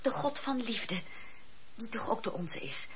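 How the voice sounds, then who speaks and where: A woman playing an earnest, compassionate and questioning devout lady in a Dutch radio play, with deliberate, emphatic phrasing. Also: on the high side, expressive, husky, full character voice. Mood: earnest, challenging. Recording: dull old radio recording with hiss.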